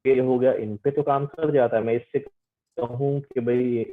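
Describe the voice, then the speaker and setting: A man with a South Asian accent teaching a class, reading English text slowly and explaining it point by point, mixing in English terms. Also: mid-range voice, steady tone. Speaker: teacher giving an online class. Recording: narrow, tinny online-call audio.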